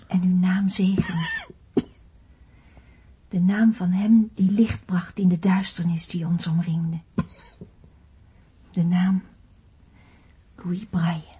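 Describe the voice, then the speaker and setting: A devoted young musician in a radio drama. Her voice is very breathy and mellow. She speaks with earnest, reverent gratitude. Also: lowish voice, steady tone, slow, long pauses, exaggerated voice. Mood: reverent, moved. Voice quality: breathy, soft. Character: grateful, devoted, earnest blind female concert musician. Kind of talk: radio play acting.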